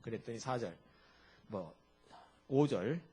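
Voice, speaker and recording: A male pastor delivering a sermon, asking his congregation frequent rhetorical questions in an animated preaching manner. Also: mid-range voice, takes it slowly, slightly rough.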